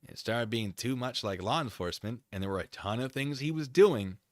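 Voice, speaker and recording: A man's voice: medium pitch, fairly quick, no echo, studio quality. A man hosting a livestream, giving casual, rambling commentary with playful, self-deprecating asides and chat with his viewers.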